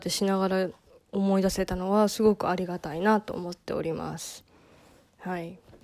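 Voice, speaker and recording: In a very clean recording with a silent background, a woman speaks at a moderate pace in a dark, mellow tone. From Japan, partly raised in Beijing. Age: 30s. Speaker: picture book instructor and podcaster. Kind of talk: casual personal monologue. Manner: chatty, many fillers.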